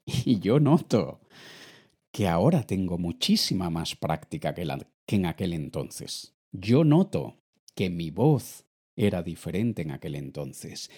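A male public speaking coach from Venezuela delivers a conversational lesson, speaking to the listener directly. His voice sits low, and his intonation is highly animated and varied. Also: gravelly, slightly rough. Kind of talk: conversational instructional monologue.

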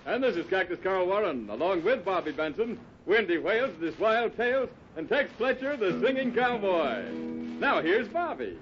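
A good-natured cowboy straight man hearty and folksy. His voice is slightly high and moves around in a lively way. The 1950s radio recording is muffled with faint noise. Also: normal speed, soft background music. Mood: hearty announcing. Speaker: cast announcer and straight man. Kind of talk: 1950s radio Western acting.

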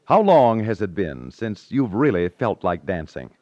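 A man's voice: lowish voice, very animated, unhurried, mellow, dry recording, faint music behind. A man delivering a scripted commercial as a 1950s radio announcer. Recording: dry, dull 1950s radio recording.

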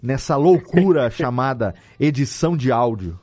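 A man's voice: mid-range voice, expressive, normal speed, darkish tone, faint music behind. A man with a Brazilian Portuguese accent hosting a casual, chatty podcast interview, informally rephrasing as he goes. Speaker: podcast host.

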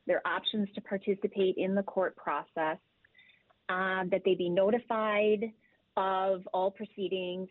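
A woman explaining victim services in an interview, in a measured and informative way. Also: mid-range voice, no room sound. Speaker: victim services professional guest. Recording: dry tinny call audio.

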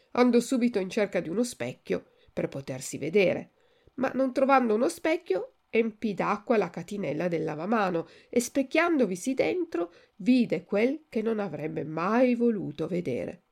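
A woman narrating a children's storybook in a measured, expressive way. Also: medium pitch, vocal fry. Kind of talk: storybook reading.

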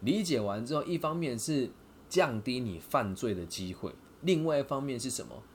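A man with a Taiwanese Mandarin accent hosting a podcast, telling a story in a lively way and asking listeners rhetorical questions. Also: mid-range voice, moderate pace, a little hiss or hum. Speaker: podcast host. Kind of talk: casual storytelling monologue.

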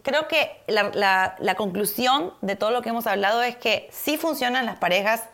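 Woman podcast co-host, gravelly voice, lively, emphatic casual chat. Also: a little high, moderate pace. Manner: animated, emphatic, repeats words for effect.

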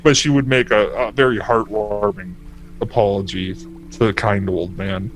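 Tabletop player: a low-voiced man, casual and jokey, describing his character's actions. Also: steady tone, a little slow, faint music behind.

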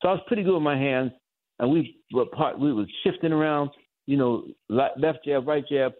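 A man, a guest on a radio talk show, telling a story with lively acted-out voices. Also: mid-range voice, normal speed. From New York. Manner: animated storyteller acting out voices of others. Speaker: guest author. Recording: tinny phone line.

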